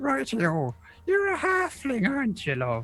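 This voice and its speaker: Doing a put-on character voice, a man speaks fairly slowly at a high pitch over light background noise. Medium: actual play. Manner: chatty, warm, fussy with questions.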